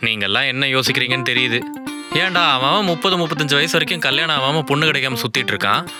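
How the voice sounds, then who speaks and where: A man's voice: medium pitch, quick pace, lightly acted. An actor playing an exasperated young husband who talks to the camera and scolds his forgetful wife. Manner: exasperated, rising to angry shouts. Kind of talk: comedy web series acting. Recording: music bed under dialogue.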